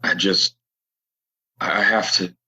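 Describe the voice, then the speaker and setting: An actor playing a reserved, weary, honorable drifter in a Western audio play, halting and solemn, on a dull recording. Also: male voice, low voice, little pitch movement, pushed and bright, exaggerated voice. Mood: hesitant, weary.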